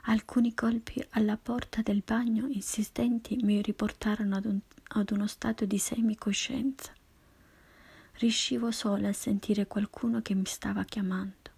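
A woman reading a first-person story in a slow, hushed, intimate whisper. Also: mid-range voice, creaky, breathy edge. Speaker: narrator.

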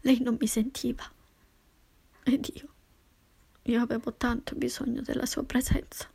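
Woman, whispered storytelling, dark and mellow, gravelly, very husky, flat delivery. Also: fairly high pitch. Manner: slow, hushed and intimate. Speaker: narrator. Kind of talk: whispered first-person story reading.

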